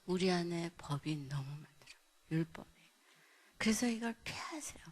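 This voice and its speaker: A middle-aged woman pastor gives a sermon at an evening family meeting, telling stories and acting out the people in them with big swings in loudness. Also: fairly low pitch, moderate pace. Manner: animated storyteller, acts out dialogue with big swings in loudness. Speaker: pastor and seminar speaker. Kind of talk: sermon with storytelling. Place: church hall at an evening revival meeting.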